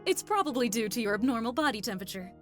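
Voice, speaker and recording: A woman's voice: on the high side, animated, rapid-fire, music in the background, natural voice. An actress playing an eager, nosy but kindly woman doctor, clinical and polite, in an audio drama. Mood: curious, eager.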